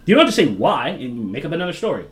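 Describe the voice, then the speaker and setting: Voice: medium pitch, very animated, very fast. A podcast co-host in casual chat recapping a TV episode, opinionated and blunt, arguing points.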